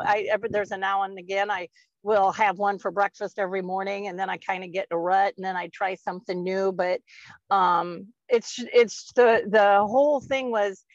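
A woman's voice: medium pitch, no room sound. A woman in her fifties chatting casually on a podcast, rambling with lots of fillers and frequent laughs. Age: 50s. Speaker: guest. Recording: dull lo-fi dry sound.

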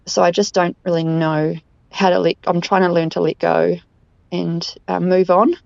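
A woman's voice: fairly low pitch, little pitch movement, moderate pace, vocal fry, a little mellow, dry recording. A woman with a New Zealand accent leaving a voicemail, hesitant and searching for words. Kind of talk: voicemail message. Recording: dull lo-fi voicemail.

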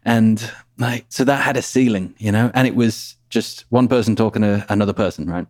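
Man, low voice, relaxed rambling chat, dry sound. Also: moderate pace, no room sound. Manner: laid-back, laughs often, rambling. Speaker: podcast guest. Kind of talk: casual conversation.

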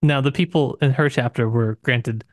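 A man's voice: medium pitch, moderate pace, no echo, studio quality. A man co-hosting a literary podcast in casual discussion, thinking aloud and rephrasing as he goes. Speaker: podcast co-host.

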